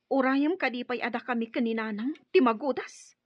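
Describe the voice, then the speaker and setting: Woman acting a defiant high-voiced tribal daughter. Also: normal speed, no room sound, dull audio, close to an everyday voice. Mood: stern reproach. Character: defiant tribal chief's daughter, righteous and resolute. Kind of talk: Ilocano radio drama acting.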